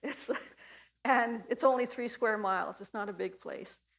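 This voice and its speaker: Vocal fry runs through this woman's voice. Her intonation is fairly even. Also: very clean recording, silent background. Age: 60s. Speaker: storyteller at mental health event. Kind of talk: personal storytelling on stage. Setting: stage, livestreamed event.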